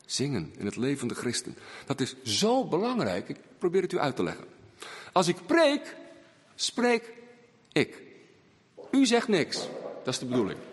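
A man preaching a sermon in a church, swinging between raised emphasis and hushed, low phrases. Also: slightly rough. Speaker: pastor. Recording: long church reverb.

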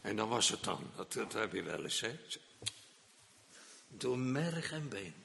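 A male preacher delivering a sermon, emphatic and swinging from quiet asides to loud declamation while repeatedly addressing the congregation. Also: lowish voice, sing-song, measured pace, vocal fry, a little hiss or hum. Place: church. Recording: long reverb of a church hall.

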